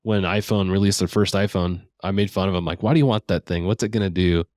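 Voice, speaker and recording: A man's voice: low-pitched, steady tone, fast talker, a little mellow, no echo, clean studio sound. A man in his forties co-hosting a podcast, easygoing and reflective in casual chat. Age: 40s. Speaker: podcast co-host.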